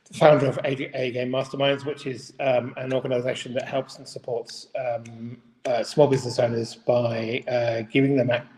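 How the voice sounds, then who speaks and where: Deep-voiced man in a very echoey room. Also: darkish tone. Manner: halting, rambling, frequently rephrasing mid-sentence. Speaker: business mentor hosting a daily live video. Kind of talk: informal unscripted monologue to camera. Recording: very echoey room, long reverb.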